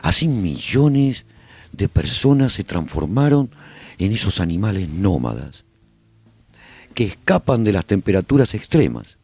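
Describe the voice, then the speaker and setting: A low male voice with sweeping, highly animated intonation , an actor as a haunted survivor chronicling the end of the world. The delivery is theatrical and emphatic, like a reflective storyteller in a radio serial. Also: a little slow, creaky, slightly rough, no room sound, soft background music, exaggerated voice. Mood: haunted remembering. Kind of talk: dramatised first-person scripted narration for radio serial.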